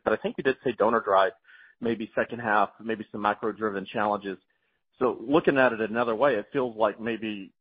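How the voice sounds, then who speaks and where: A man's voice: fairly low pitch, slightly rough, no room sound. A man speaking as a financial analyst, posing a conversational question on an earnings call. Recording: narrow, dry telephone line.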